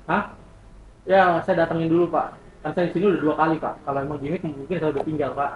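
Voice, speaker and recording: A man's fairly high-pitched voice at a very fast pace, with fairly even intonation. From Jakarta, Indonesia. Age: 20s. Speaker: job applicant, videographer. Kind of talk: job interview. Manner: polite, formal.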